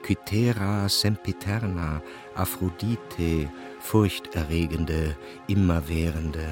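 An actor performing solemn visionary epic poetry in a radio play, with a measured, incantatory delivery. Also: male voice, sits low. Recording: studio voice over music. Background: music.

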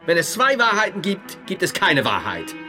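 A man's voice: high voice, huge pitch swings, normal speed, pushed and bright, full character voice. An actor playing a devout, dogmatic medieval monk philosopher in an audio drama, solemn and emphatic in his statements. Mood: firm, dogmatic. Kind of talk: theatrical audio drama dialogue. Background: music.

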